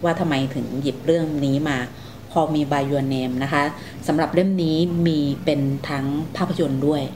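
A woman's voice: deep voice, steady tone, normal speed, background noise. A woman hosting a conversational interview, politely asking questions and summing up with some hesitation. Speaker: interviewer, show host.

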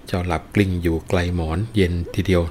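A grieving young wife from an old folk tale, speaking in a lamenting, pleading way, as a man voices her. The voice is very low and deep. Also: level tone, quick pace, darkish tone, slight background noise, lightly acted.

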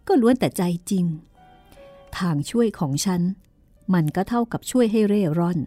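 A woman narrator voicing a gentle fortune teller. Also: medium pitch, moderate pace, dry recording, faint music behind, pitched above the performer's own voice, close to an everyday voice. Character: travelling-troupe owner woman, fortune teller, sympathetic.

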